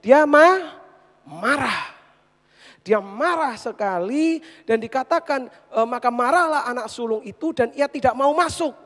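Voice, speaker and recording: A woman preaches a sermon in a chatty, direct way, speaking straight to the congregation. Her voice is somewhat high. A long reverb from a large church hall follows her words. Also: animated, a little slow, a bit bright. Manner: conversational, addressing the congregation directly.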